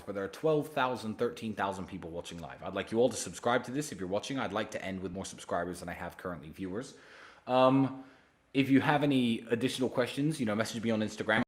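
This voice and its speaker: A man hosting a casual solo livestream, answering viewer questions directly and pitching emphatically. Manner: direct, addresses viewers by name.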